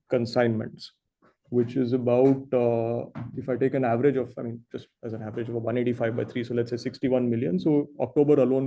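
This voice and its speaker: Dark-voiced businessman, even and creaky. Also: medium pitch, poor audio. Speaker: company executive. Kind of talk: earnings call answers, business explanation.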